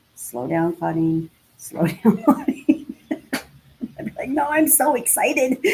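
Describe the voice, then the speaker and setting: A woman speaks at a moderate pace in a dark, mellow tone with vocal fry. Her pitch makes very wide swings. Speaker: spiritual talk show co-host. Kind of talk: casual chat. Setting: live stream. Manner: animated.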